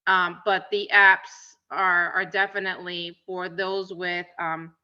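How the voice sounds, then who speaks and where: A woman co-trainer speaking in an online training session, halting and hesitant with many repeats and "um"s. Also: lowish voice, little pitch movement, bright, forceful tone, highs cut off.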